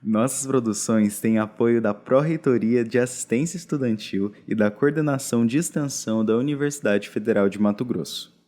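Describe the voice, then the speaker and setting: A man's voice: medium pitch, moderate pace, few pauses, mellow. A young Brazilian man reading scripted podcast narration. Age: young adult.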